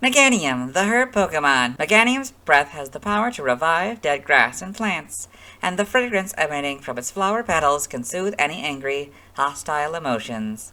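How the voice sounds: A man puts on a robotic character voice pitched fairly high, with very wide pitch swings. He speaks at a moderate pace.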